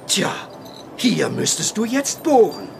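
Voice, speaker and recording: A woman playing an excitable, anxious adventure companion in a children's audio drama, urgent and exclaiming. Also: medium pitch, slow, creaky, over music, full character voice. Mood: anxious, excited.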